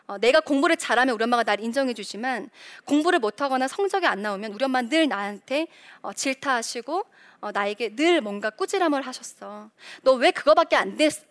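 Middle-aged woman speaker, animated faith talk, slightly high pitch, asks the audience questions. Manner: animated, acts out quoted voices; frequent rhetorical questions. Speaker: Christian speaker, former reporter. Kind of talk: faith-based motivational talk.

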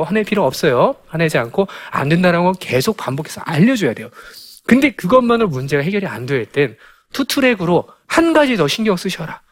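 Lively high-voiced man giving a parenting talk. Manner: animated, asks rhetorical questions, acts out children's lines. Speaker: parenting educator. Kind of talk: parenting lecture.

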